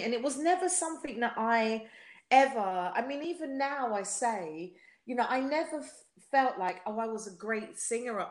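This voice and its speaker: Chatty woman in an echoey room. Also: a little high. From United Kingdom. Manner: animated and chatty, quick laughs, many restarts. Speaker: guest singer. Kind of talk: casual interview chat.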